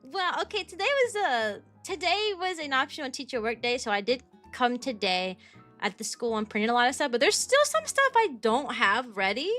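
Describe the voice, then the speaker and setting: Chatty young woman with a high, bright voice. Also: sing-song, normal speed, faint music behind. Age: mid-twenties. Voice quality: high-pitched, youthful-sounding voice. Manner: rambling and chatty, with many ums, likes and restarts. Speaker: VTuber streamer and kindergarten teacher. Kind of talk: casual chat with stream viewers.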